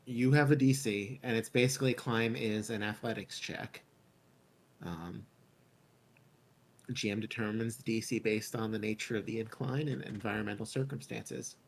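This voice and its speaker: A man's voice: steady tone, normal speed, vocal fry. A man playing a tabletop game, chatting casually with a wry, grumbling manner. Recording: noticeable low rumbling background noise.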